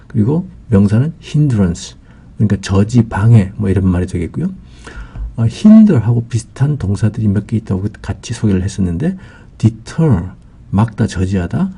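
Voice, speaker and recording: A man's voice: on the low side, big pitch swings, normal speed, creaky, mellow, husky. A man giving an English vocabulary lesson, explaining patiently with many fillers.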